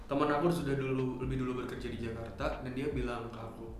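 A man's voice: medium pitch, steady tone, quick pace, a little hiss or hum. A young man from Yogyakarta, a podcast guest, talking in an earnest, confiding way and often repeating himself. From Yogyakarta, Indonesia. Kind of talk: casual podcast chat. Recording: very echoey room with faint ambience.

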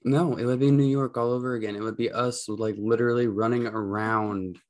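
A woman co-hosting a podcast, talking casually, slowly searching for her words. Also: a bass voice, steady tone, darkish tone. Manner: slow, hesitant, searching for words. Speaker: podcast co-host. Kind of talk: casual chat. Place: room, sitting far from the mic.

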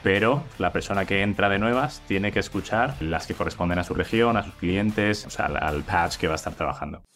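Man with a Madrid accent, deep low voice, thoughtful, hesitant interview guest. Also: fairly bright tone, soft background music. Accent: Madrid Spanish. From Madrid, Spain. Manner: measured, thoughtful, many hesitations and repeated words. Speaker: guest, head of sales. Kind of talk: interview answers.

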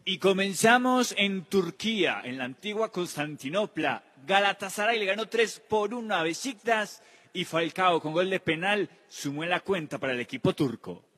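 A husky-voiced man presents a football round-up in a high register. His delivery is emphatic, with stretched words, and the recording carries long reverb. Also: lively intonation, normal speed, a bit bright. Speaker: international football news presenter. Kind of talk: sports news round-up narration.

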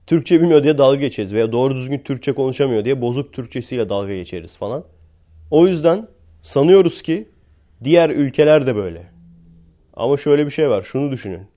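A man's voice: medium pitch, mellow. A man from Turkey hosting a podcast, talking in a chatty, sarcastic, rambling way and often laughing. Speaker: podcast host. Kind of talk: casual podcast monologue.

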